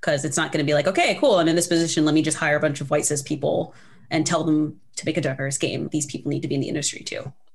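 A woman's very deep, low, somewhat breathy voice at a very fast pace, monotone and flat in intonation. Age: 30s. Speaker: game developer and streamer. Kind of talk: casual interview chat. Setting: live stream.

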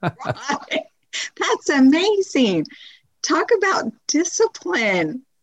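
Speaking very slowly in a Texas accent, a woman with an extremely high pitch makes very wide pitch swings, the sound dry and close with no echo.

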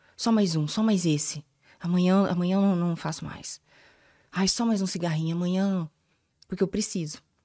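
With long, frequent pauses, a woman at medium pitch talks at a moderate pace and with fairly even intonation on a very clean recording with a silent background. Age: 40s. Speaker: psychoanalyst, weight-loss specialist. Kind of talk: casual interview.

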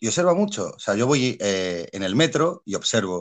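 A man speaking at a fairly slow pace with very wide pitch swings over a quiet background. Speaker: actor. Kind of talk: casual chat.

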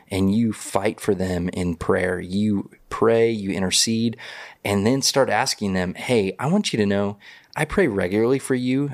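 A man's fairly low voice at a fairly slow pace, with ordinary pitch variation, an unremarkable speaking voice, on a very clean recording with a silent background. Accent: American. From Montana. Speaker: pastor. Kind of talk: casual chat.

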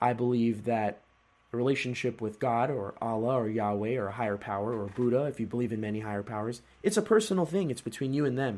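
Speaking at a very fast pace, a man talks with an American accent. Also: quiet background. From California. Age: 20s. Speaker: podcast host. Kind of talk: casual monologue commentary. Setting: home recording with camera. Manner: animated, with frequent fillers and restarts.

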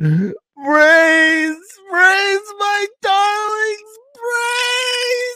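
The clip features a put-on character voice at an extremely high pitch. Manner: urgent, commanding.

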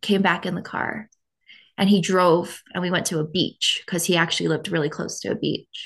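With vocal fry and fairly even intonation, a woman talks at a medium pitch and a moderate pace. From Hawaii. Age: 30s. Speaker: domestic abuse survivor. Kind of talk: testimony. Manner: halting.

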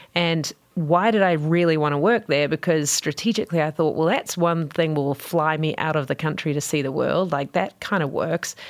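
A woman with a New Zealand accent talks at a moderate pace with hardly any pauses, her very deep, low pitch showing ordinary variation. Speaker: entrepreneur, company CEO and author. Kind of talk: storytelling monologue, personal stories. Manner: animated, energetic.

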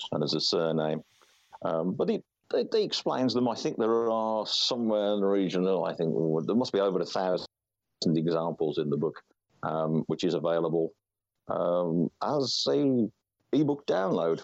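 A man's very deep, low voice at a moderate pace, with lively intonation and very even loudness. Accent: English Midlands. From England. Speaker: author and etymologist. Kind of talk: interview.

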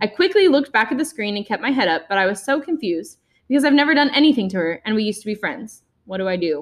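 A woman talks at a very fast pace with a fairly high pitch. Her pitch swings very wide. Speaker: podcast host and teacher. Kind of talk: casual chat.

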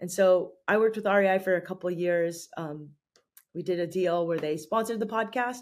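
A woman with an American accent has an unremarkable speaking voice. Her pitch is fairly low, with ordinary variation. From US West Coast, San Diego. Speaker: author and adventure journalist. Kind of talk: interview conversation.

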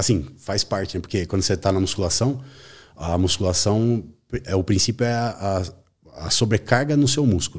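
An unremarkable speaking voice from a man, fairly low in pitch, with lively intonation, a moderate pace, and a very clean recording over a silent background. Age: 40s. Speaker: sports nutritionist. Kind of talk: podcast interview.

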